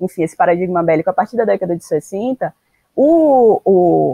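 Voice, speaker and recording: A woman speaks with a northeastern Brazilian accent at a medium pitch and a moderate pace. Her tone is dark and mellow, and the sound is dry and close with no echo. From Salvador, Bahia, Brazil. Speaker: lawyer and legal researcher. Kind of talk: podcast interview answer.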